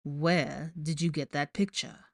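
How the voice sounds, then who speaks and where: A woman voicing an angry young man in an audiobook story, speaking in a cold, measured, threatening way. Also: sits low, no echo, studio quality, close to an everyday voice. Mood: icy demand.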